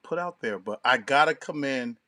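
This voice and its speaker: Male co-host, mid-pitched, casual and profane, slangy, acts out quotes, recorded very dry. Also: lively intonation, normal speed, pushed and bright, no room sound. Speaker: podcast co-host. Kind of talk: casual chat.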